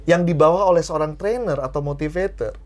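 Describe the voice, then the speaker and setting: Man, trainer, podcast guest, animated, acts out quotes. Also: fairly high pitch, fairly quick. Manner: animated, acts out quoted voices, laughs often. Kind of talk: casual podcast conversation.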